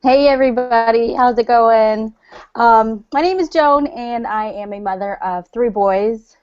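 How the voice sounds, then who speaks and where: A woman's voice: fairly high pitch, measured pace, clean tone, no echo, highs cut off. A woman and stay-at-home mother talking in a bubbly, chatty way, full of fillers, in a casual online group chat. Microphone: video call.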